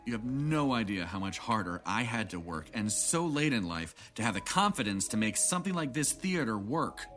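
A man's voice: on the low side, big pitch swings, normal speed, a bit bright. A man playing a jaded, guarded middle-aged man in an audio drama, with wry, reflective delivery. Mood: bitter, resigned. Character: jaded, guarded older man, bitter about his family. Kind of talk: naturalistic audio drama acting. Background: background music.

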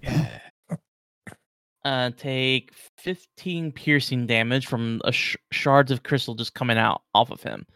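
A man running a tabletop game as game master, with a smooth, resonant voice. He describes monsters in a relaxed way, with plenty of filler words. The sound is dry and close. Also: mid-range voice, a little slow, dry recording.

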